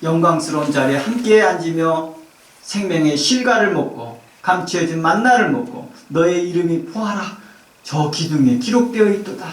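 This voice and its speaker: A male pastor giving an earnest sermon, reading scripture slowly and pleading warmly in the Lord's voice. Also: on the high side, animated. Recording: echoey church from far off.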